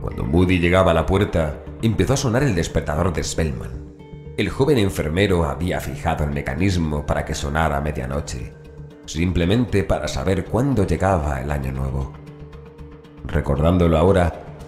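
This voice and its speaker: Very deep-voiced man narrating horror. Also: animated, moderate pace, darkish tone. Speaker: audiobook narrator. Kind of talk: scripted horror story narration. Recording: roomy echo with faint music. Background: background music.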